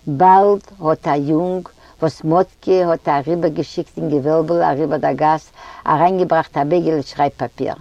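A woman from Eastern Europe reading a novel aloud in a measured, even storytelling manner. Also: deep voice, gravelly, no room sound. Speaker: audiobook reader. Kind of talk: storybook narration. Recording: dull lo-fi audio.

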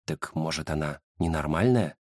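A man voicing a quiet, puzzled black male cat who speaks softly and thoughtfully in an audiobook. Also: extremely low pitch, moderate pace, no echo, clean studio sound, voice pushed down. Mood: pensive. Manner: soft, thoughtful, hesitant. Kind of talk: audiobook character voice.

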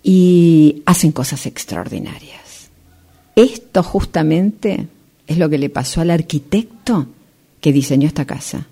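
A woman in an amateur radio play acting a smooth-talking, insistent female real estate agent, with theatrical dramatic pauses. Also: deep voice, dark tone, heavily acted. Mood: mysterious, coaxing.

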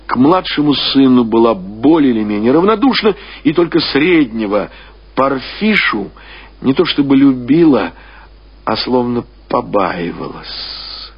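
A man reading classic literary prose as a radio narrator, in a measured, expressive storytelling manner with deliberate phrasing. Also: mid-range voice, husky. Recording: dull lo-fi radio recording.

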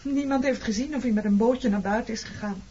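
A grieving, defensive woman speaks with emotion in a slightly husky voice. Her delivery halts and pleads, in the manner of radio drama, and the recording is muffled and lo-fi. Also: on the high side, brisk, mellow. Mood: sorrowful, searching. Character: defensive grieving woman, shunned for loving an enemy officer. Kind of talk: Dutch radio drama acting. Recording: dull lo-fi radio play recording.

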